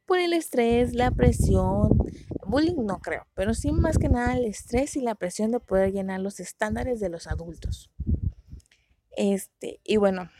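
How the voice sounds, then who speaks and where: Chatty Mexican woman with vocal fry. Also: a little high, background noise. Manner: chatty, slangy, self-mocking. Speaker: vlogger. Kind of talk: casual chat about dramas.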